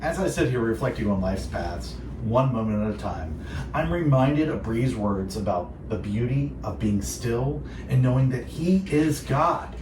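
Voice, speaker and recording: A man's voice: mid-range voice, animated, measured pace. A man hosting a devotional Christian radio show, speaking in an earnest, reflective and polished way. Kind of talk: devotional radio talk with co-host. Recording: roomy echo, distant, clearly noisy.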